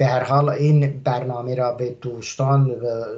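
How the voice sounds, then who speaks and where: Speaking with an Azerbaijani accent, a man holds a medium pitch and a dark, mellow tone that is somewhat breathy. His intonation stays fairly even at a fairly slow pace. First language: Azerbaijani (speaking Persian). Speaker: talk show host. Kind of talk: show sign-off. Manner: hesitant, many fillers.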